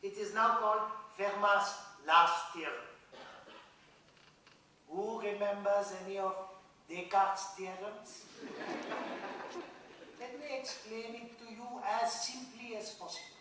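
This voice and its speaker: A man acting a vain, teasing dead mathematician in a dramatised play reading, lecturing theatrically with pauses. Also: high-pitched, fairly even intonation, bright, forceful tone, full character voice. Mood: smug, wistful. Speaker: stage actor. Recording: echoey hall, distant mic, faint noise.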